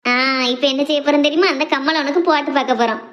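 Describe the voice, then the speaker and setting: Woman playing a young daughter, earnest and playful, talks super fast. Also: sits high, highs cut off, lightly acted. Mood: teasing. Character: young adult working daughter, devoted and teasing. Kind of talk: family drama skit.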